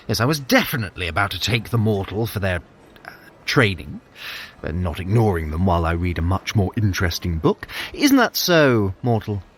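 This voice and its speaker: A man's voice: sits low, big pitch swings, moderate pace, a little hiss or hum. An actor playing a sly, haughty trickster god in an audio drama, theatrical and sarcastic, drawling his words. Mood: disdainful.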